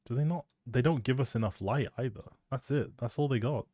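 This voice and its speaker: A man's voice: medium pitch, fairly quick, mellow, dry recording, clean studio sound. A man chatting casually as a live streamer, playful and teasing as he thinks aloud while commenting on a game.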